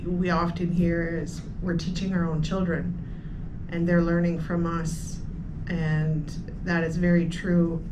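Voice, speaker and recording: A woman's voice: lowish voice, little pitch movement, a little slow. A woman filmmaker and mother speaking earnestly and reflectively in a casual chat, recorded on a handheld phone in a venue. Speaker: filmmaker guest. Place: screening venue with audience. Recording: phone recording with background noise.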